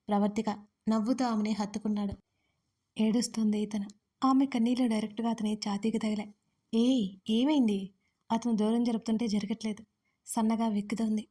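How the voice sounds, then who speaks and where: Female audiobook storyteller, gentle even reading, warm mellow timbre, slightly high. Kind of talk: audiobook narration.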